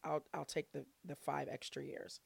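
A woman's voice: low-pitched, level tone, moderate pace, creaky, husky, no echo. A forty-year-old woman hosting a casual solo podcast, chatting in an exuberant, playful, chummy way straight to her listeners. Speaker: podcast host.

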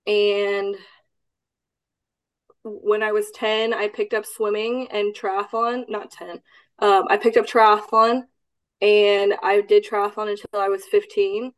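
A young woman from Texas who grew up speaking Cantonese talks about her past. She answers steadily, pausing and correcting details as she recalls them, at a middle pitch. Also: flat delivery, clear, resonant tone. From Austin, Texas. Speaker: guest. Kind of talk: casual podcast interview.

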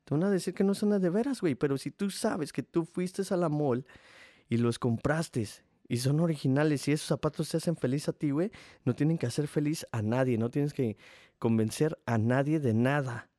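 A man's voice: fairly high pitch, moderate pace, dark tone, no echo, clean studio sound. A young man with a Mexican accent hosting a podcast, rambling casually and cursing often. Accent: Mexican Spanish. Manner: slangy, rambling, frequent swearing. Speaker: podcast host. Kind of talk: casual monologue.

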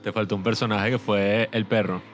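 A man's voice: on the low side, fairly even intonation, moderate pace. A man co-hosting a casual film review podcast, rambling and joking as he talks. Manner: rambling, joking, laughs often. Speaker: podcast co-host.

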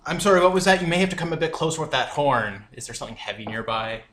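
A man's voice: fairly high pitch, lively intonation, quick pace, fairly bright tone, a little hiss or hum. A man playing a sarcastic mouse guard. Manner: sarcastic, defiant. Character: bold, sardonic male mouse guard. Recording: echoey room.

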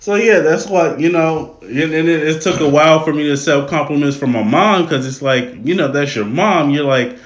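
A man with a Southern US accent talking casually as an interview guest, halting and correcting himself as he goes. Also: on the high side, echoey room, poor audio. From Louisiana, United States. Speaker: podcast guest.

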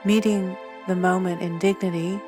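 A woman leading a guided body scan meditation in a gentle, soothing manner. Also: lowish voice, little pitch movement, normal speed, over music.

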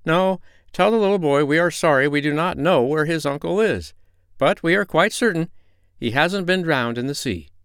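A man's voice: fairly high pitch, expressive, normal speed, fairly bright tone, clean tone, no room sound, studio quality, voice pushed up. A man voicing a friendly, gossipy school of porpoises in a storybook, in a raised, eager voice. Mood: chatty, sure.

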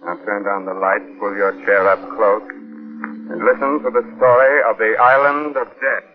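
An actor playing a sly, sinister horror host in the theatrical manner of an old radio announcer. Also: male voice, lowish voice, steady tone, moderate pace, close to an everyday voice. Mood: ominous, teasing. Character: ghoulish male horror host, slyly menacing. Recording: muffled 1940s radio recording with music.

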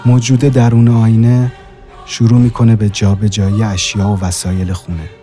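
A man's voice: fairly low pitch, level tone. Man narrating a suspenseful horror story. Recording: soft music bed behind the voice.

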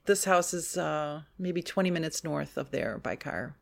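A woman's voice: sits low, lively intonation, unhurried, creaky. Earnest woman author. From Chicago, USA. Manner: earnest, heartfelt. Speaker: author and teacher. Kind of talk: interview answers.

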